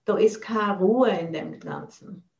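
Slowly and thoughtfully, an Austrian woman teaching as a Buddhist nun gives a dharma talk by video call. Her mid-range voice is a little mellow, and she searches for words and drops in English phrases. The audio is muffled.

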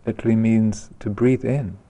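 A man teaching a guided meditation in a calm, gentle, unhurried way, leaving long pauses between phrases. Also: lowish voice.

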